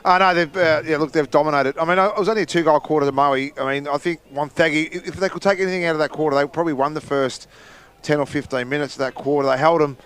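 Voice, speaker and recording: A man with an Australian accent giving casual football analysis and reading out scores, chatty and quick to laugh at his own slips. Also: a little high, steady tone, a bit bright. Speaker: expert commentator. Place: outdoor football ground.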